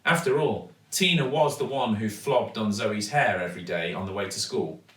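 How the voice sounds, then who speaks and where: A man narrating a children's story expressively, with dramatic, deliberate emphasis. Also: on the low side, a bit bright. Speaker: actor reading a children's story. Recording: echoey room, distant microphone.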